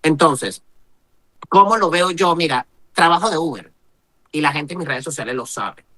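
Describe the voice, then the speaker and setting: A man's voice: fairly high pitch, animated, normal speed, sharp tone. A man from Venezuela, a journalist and activist answering in an interview, emphatic, with rhetorical questions and tag questions. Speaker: journalist and human rights activist, interview guest.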